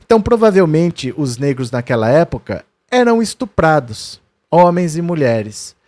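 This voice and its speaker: A man's voice: on the high side, big pitch swings, moderate pace, a little mellow, no room sound. Brazilian man explaining history. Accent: Brazilian Portuguese. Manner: conversational, shows documents to viewers; quotes historical figures in a raised voice. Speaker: history presenter.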